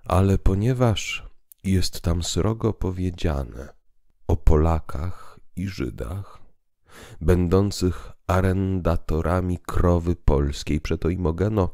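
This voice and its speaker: Male reader as calm visionary priest for literary audio drama: very low, mellow, deliberate and oratorical. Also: creaky, no room sound, clean studio sound, heavily acted. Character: calm, grave priest telling visionary tales.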